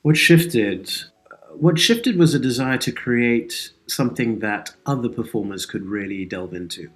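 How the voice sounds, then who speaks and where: A man's voice: mid-range voice, measured pace, a bit bright. A man speaking as an interview guest, reflective, earnest and articulate, like an actor and writer discussing his craft. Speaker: interview guest, actor and audio drama creator.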